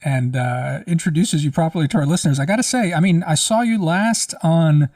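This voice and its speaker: A man co-hosting a podcast, slightly hoarse as he loses his voice, rambling casually with many restarts, speaking very close to the microphone. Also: a little high, fairly quick, darkish tone, no echo, distant mic. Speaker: podcast co-host. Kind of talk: casual conversation.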